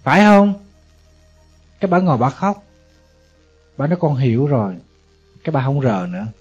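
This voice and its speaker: A male monk preaches a Buddhist sermon in a Southern Vietnamese accent, speaking conversationally and asking rhetorical questions of his audience. His fairly high voice swings widely in pitch, has a breathy edge, and moves at a moderate pace. The recording is dull and lo-fi, with faint music in the background.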